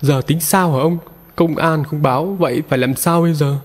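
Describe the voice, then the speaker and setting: A man doing a frantic, shrill village wife. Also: fairly even intonation, a little fast, natural voice. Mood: anxious. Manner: shrill, panicky and pleading. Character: frantic frightened middle-aged village wife. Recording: long reverb.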